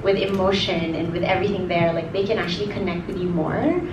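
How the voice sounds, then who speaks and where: A woman's voice: on the low side, brisk. An enthusiastic woman from Cebu answers questions on a panel. She sounds distant from the mic in a roomy, echoing hall with crowd noise. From Cebu, Philippines. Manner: upbeat, enthusiastic. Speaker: panelist, lifestyle vlogger. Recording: echoey hall from far off.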